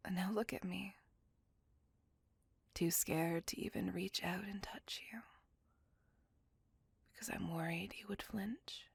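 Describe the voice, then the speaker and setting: A woman voicing a brooding, possessive female vampire in a whispered ASMR roleplay, speaking in a soft, breathy, gravelly whisper close to the mic. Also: fairly low pitch, steady tone, slow, long pauses, no echo, exaggerated voice. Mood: brooding confessional. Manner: soft confessional whisper throughout.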